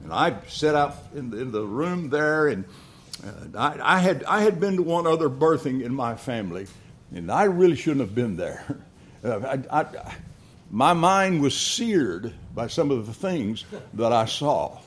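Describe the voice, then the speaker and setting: Older man preaching a halting sermon. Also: medium pitch, big pitch swings. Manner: storytelling, halting with repeated restarts.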